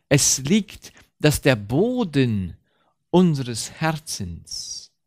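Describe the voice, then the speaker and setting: Very slow, somewhat breathy speech with very wide pitch swings on a very clean recording with a silent background. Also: man, long, frequent pauses. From Romania (German minority). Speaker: Bible teacher. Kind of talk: sermon-style Bible lecture.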